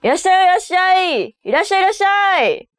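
A woman playing a bustling market fish seller, calling out in quick, exaggerated repeats for a lesson sketch. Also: very high-pitched, sing-song, fairly bright tone, no echo, studio quality, voice pushed up, full character voice. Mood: eager hawking. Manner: exaggerated, repetitive rapid calling out. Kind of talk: acted example sketch in a lesson.

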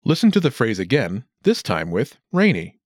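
A man narrating a scripted language lesson as an instructor, enunciating clearly and deliberately. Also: medium pitch, huge pitch swings, no echo, studio quality.

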